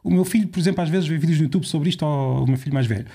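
A man's voice: on the high side, very fast, creaky, warm tone, breathy edge. A man with a European Portuguese accent, a podcast guest explaining in casual talk and asking rhetorical questions.

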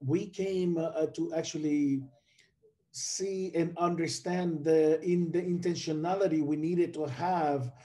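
A middle-aged man from the Dominican Republic giving an online conference talk over a video call, speaking haltingly with many fillers and restarts. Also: on the high side, fairly even intonation, dark tone. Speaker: conference panelist.

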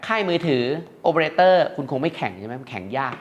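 A middle-aged male host gives an educational talk, instructing viewers conversationally and explaining things step by step, point by point, using polite particles in a chatty manner. His voice is fairly high-pitched and expressive, and his pace is quick.

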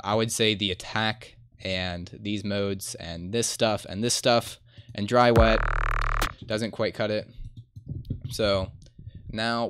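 Speaking in a lowish, smooth voice, a twentysomething man walks through a casual screen-share tutorial on music production in an informal, easygoing way. He's at a computer desk in an indoor room, and loud electronic synths play in the background.

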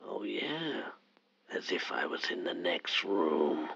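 A sinister masked phone killer, extremely low gravelly whisper, taunting. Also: male voice, big pitch swings, slow, pushed and bright, dull audio, exaggerated voice. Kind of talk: audio play acting.

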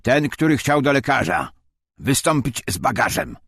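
A man's voice: medium pitch, sing-song, normal speed, gravelly, fairly bright tone, slightly rough, no room sound, pitched above the performer's own voice, heavily acted. A man voicing a brutal, contemptuous Nazi SS guard who barks orders in an audiobook. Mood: barking contempt. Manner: barking, contemptuous.

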